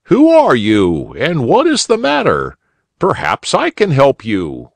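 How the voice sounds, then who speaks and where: A cheerful old rabbit gentleman from a storybook, voiced by a man, kindly and eager to help. His voice swoops up and down, lifted above the narrator's and with a gravelly grain. Dry and close. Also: medium pitch, huge pitch swings, slow, no room sound, pitched above the performer's own voice, exaggerated voice. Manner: jolly, kindly, storybook warmth.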